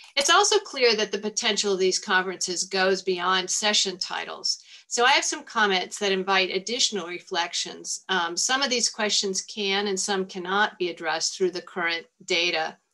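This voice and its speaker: Over a quiet background, a woman with an American accent talks at a moderate pace with hardly any pauses, using a bright, sharp tone, a medium pitch and ordinary pitch variation. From United States. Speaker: community psychologist; panel discussant. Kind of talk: panel remarks. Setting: video call. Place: home room. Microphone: video call.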